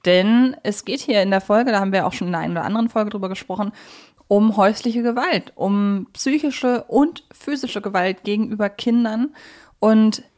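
A woman's voice: medium pitch, moderate pace, a little mellow. German woman chatting as podcast co-host. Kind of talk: casual podcast discussion of audio plays.

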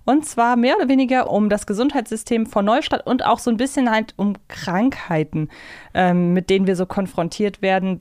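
A woman co-hosts a podcast in a casual, conversational way. Her voice is smooth and clear, and it sounds dry, with almost no room around it. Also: mid-range voice, a little mellow, dry recording. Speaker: podcast co-host. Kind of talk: casual chat with a co-host.

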